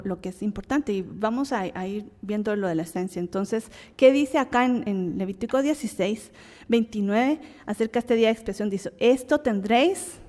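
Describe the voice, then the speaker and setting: A woman's voice: medium pitch, darkish tone, long reverb tail. A woman from Guatemala with a Guatemalan Spanish accent, teaching a Bible lesson in a conversational way, asking and answering her own questions.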